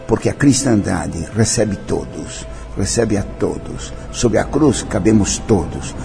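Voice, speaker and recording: A man's voice: fairly low pitch, animated, unhurried, gravelly, music in the background. An older man from Brazil, head of a Catholic association, speaking in a solemn, declamatory way during an interview. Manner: solemn, declamatory, mixing in French and Italian phrases. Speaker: president of a Catholic cultural association. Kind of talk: interview, personal reminiscence.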